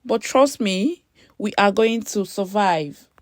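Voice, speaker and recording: A woman's voice: medium pitch, takes it slowly, no echo, studio quality, natural voice. A woman voicing an earnest, struggling young immigrant woman who is a loyal friend in a dramatic story. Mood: earnest, reassuring.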